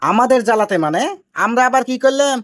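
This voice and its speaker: A man's voice: very high voice, lively intonation, fast talker, fairly bright tone. Man acting a cocky young village son-in-law. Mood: cheeky. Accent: Rajshahi Bangladeshi Bengali. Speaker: son-in-law in a comedy cartoon. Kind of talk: amateur cartoon comedy dialogue.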